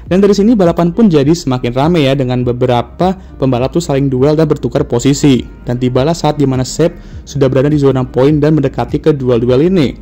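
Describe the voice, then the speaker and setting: Like a YouTuber talking to his viewers, a man recaps a motor race in a casual, joking, slang-heavy way. His voice is fairly high and mellow, with faint music in the background.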